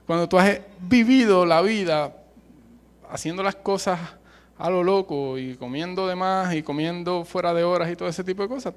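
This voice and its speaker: A high-pitched man with a clean tone and a Puerto Rican Spanish accent, from Puerto Rico, preaches a sermon. He is passionate and emphatic, working in colloquial slang and humor.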